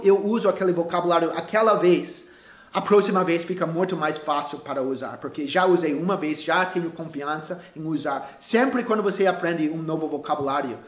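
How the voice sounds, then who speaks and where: A man who is a native English speaker, teaching a casual video lesson in Portuguese and slowing down to repeat words syllable by syllable. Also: on the high side. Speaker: language teacher. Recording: roomy echoey room.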